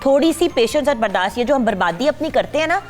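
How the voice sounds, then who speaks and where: A chatty young woman hosting a morning talk show, with a somewhat high voice. She keeps cutting in with quick asides and drops English phrases into her talk. Light music sits faintly behind her. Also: expressive, darkish tone. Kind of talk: casual chat.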